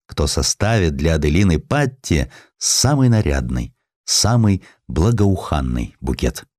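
A man narrates history. His delivery is theatrical and highly expressive, with wide swings of intonation. The sound is dry and close, as in a scripted audiobook. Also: dry recording.

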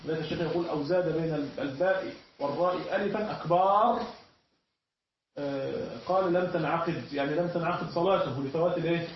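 A man teaching a classroom lesson, often pausing mid-sentence so his students can finish his words. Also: a little high, a little hiss or hum. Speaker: teacher of Islamic jurisprudence. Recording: echoey, distant, dull room recording.

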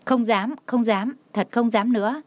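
A man's voice: very high-pitched, a little slow, no room sound. A woman voicing a playful young man who yelps and pleads when hurt, in a dry recording. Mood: pained pleading.

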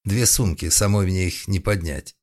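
A man's voice: sits low, normal speed, darkish tone, natural voice. A man reading an audiobook, voicing a stern, commanding adult woman with a curt, authoritative manner. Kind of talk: audiobook character voice.

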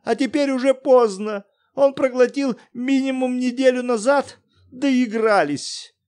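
A man reading an audiobook, voicing an excitable elderly academic who shouts in loud, theatrical bursts. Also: very high voice, measured pace, smooth, voice pushed up. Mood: frantic. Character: excitable elderly male academic, pompous then frantic.

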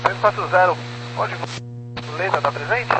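A pilot talking over the radio, reading back controller instructions in clipped, routine phrases. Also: male voice, high-pitched, normal speed, music in the background. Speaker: airline pilot. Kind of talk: radio read-back to air traffic control. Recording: noisy cockpit radio transmission.

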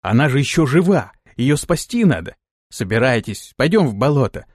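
A man's voice: medium pitch, very animated, normal speed, dry recording, clean studio sound. A man doing a brash, hot-tempered young lord. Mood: urgent. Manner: indignant, shouting outbursts.

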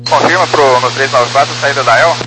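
A very noisy, humming radio channel carries a Brazilian man's voice. He speaks in clipped aviation phraseology at an average pitch, sounding like crackly military radio traffic. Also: a little fast. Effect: radio transmission. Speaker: radio operator in aviation communications.

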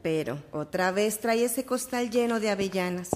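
A woman playing a fond, gently scolding Catholic nun in a radio drama, deferential and affectionate. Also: medium pitch, lively intonation, moderate pace, noisy background, natural voice.

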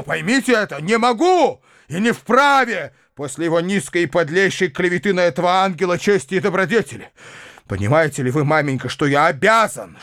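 A man's voice: fairly high pitch, dry recording, clean studio sound, voice pushed up. A man voicing an agitated middle-aged nobleman who pleads earnestly with his mother. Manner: earnest, urgent declaiming.

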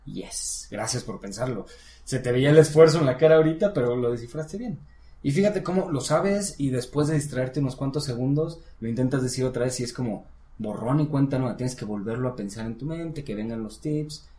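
A man's voice: medium pitch, brisk, dark tone. A man tutoring a student in English, explaining step by step in a patient, encouraging way. His voice sits in a middle register, and the room around him adds a noticeable echo. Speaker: English teacher. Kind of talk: one-on-one language lesson. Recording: roomy echo.

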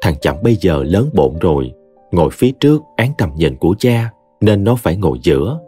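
A man narrating a story in an expressive reading. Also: deep voice, a little fast, soft background music.

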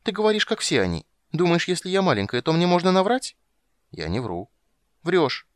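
A man voicing a stubborn, bossy little runaway princess who whines and sniffles in a high childish voice. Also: huge pitch swings, normal speed, dry recording, studio quality. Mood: indignant. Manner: high petulant childish whining.

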